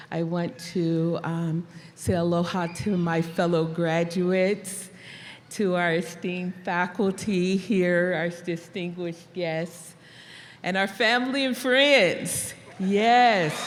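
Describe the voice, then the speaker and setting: Heard with audible room echo, a woman with an American accent speaks at a very slow pace and a fairly low pitch. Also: ordinary pitch variation. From California. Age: 60s. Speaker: student commencement speaker. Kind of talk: commencement speech. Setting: stage with audience.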